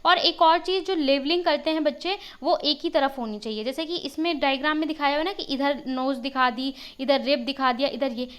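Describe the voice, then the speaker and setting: Female teacher, high pitch, sore throat; reads slowly and asks questions as she explains. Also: fairly bright tone. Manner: reads English lines slowly, then explains. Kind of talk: worksheet lesson for school students.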